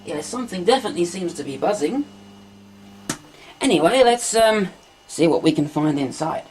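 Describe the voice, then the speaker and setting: A woman with a lowish, mellow voice talks calmly through each step as she handles an old machine indoors. Her tone is relaxed and explanatory, and a faint hum sits underneath. It sounds like a casual home demo. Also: moderate pace, poor audio. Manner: calm step-by-step explaining while handling equipment. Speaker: hobbyist vlogger. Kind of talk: casual demonstration narration.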